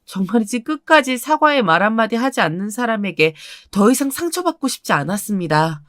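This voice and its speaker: Woman storyteller, first-person narration, calm recounting, dry close voice. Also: a little high, fairly quick, no room sound.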